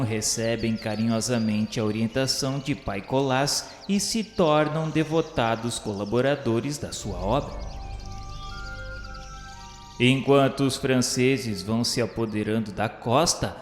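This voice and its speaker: Man, mid-pitched voice, solemn radio drama narration, formal declamatory delivery, long reverb, music behind. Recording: reverberant echoey hall sound with music.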